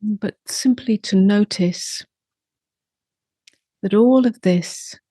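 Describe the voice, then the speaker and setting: Very slow, soft woman guiding meditation. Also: mid-range voice, no room sound. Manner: soft, unhurried, long pauses between short phrases. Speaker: meditation teacher.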